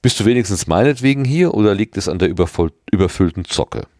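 A man's voice: on the low side, lively intonation, quick pace, a little mellow, no echo, studio quality. A man reading aloud, voicing a friendly, teasing, easygoing teenage boy. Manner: breezy, teasing.

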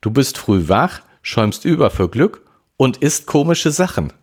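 A man's voice: medium pitch, very animated, a little slow, breathy edge, pitched above the performer's own voice. A man voicing a sober, matter-of-fact middle-aged mother with a teasing streak, in an audiobook reading. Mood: dry.

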